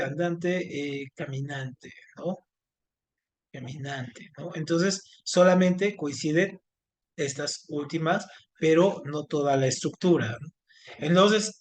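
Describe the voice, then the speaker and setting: A man teaching an online class, speaking haltingly with many fillers and restarts. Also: fairly high pitch. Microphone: video call.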